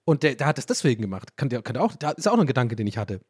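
A man from a German village, telling a story in a casual monologue, animated, self-mocking and rambling. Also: mid-range voice, very fast, breathy edge, no room sound, clean studio sound.

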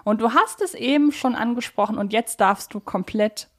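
A woman's voice: fairly high pitch, moderate pace, fairly bright tone. A woman co-hosting a podcast in casual discussion, often circling back to rephrase in a hesitant way. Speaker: podcast co-host. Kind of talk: casual discussion of an audio drama series.

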